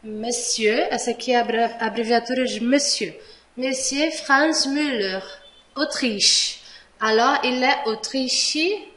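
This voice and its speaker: Slow patient woman teaching French. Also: fairly high pitch, a bit bright, roomy sound. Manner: mixes Portuguese explanations with French examples. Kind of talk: online language lesson.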